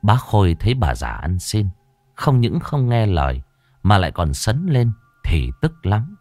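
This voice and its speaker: Male ghost-story narrator, lively and low. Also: unhurried, no echo.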